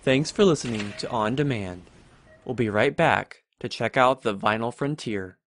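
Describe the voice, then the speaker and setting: A man's voice: mid-range voice, moderate pace, no room sound, studio quality, lightly acted. A man playing a casual show announcer, reading scripted radio links. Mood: easygoing.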